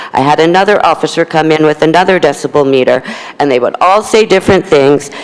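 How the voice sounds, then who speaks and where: Noticeable background noise is present. The speech moves at a very fast pace. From Philadelphia. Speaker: member of the public. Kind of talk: public comment at city meeting.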